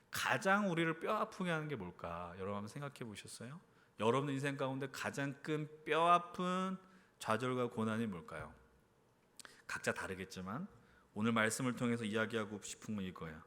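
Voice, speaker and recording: A man delivers a sermon to a youth congregation in a church sanctuary. His voice is bright, forceful and a little high. He poses one rhetorical question after another and shifts between quiet, low lines and emphatic raised ones, while a long hall reverb trails every phrase. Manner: earnest, addresses the congregation with frequent rhetorical questions. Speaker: preacher at a church youth service.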